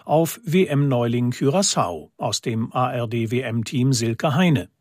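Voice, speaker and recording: A male radio newsreader delivers the news and weather in a measured, formal way. His voice has a slightly husky edge and a lively pitch, and it sits dry and close to the mic. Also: no room sound.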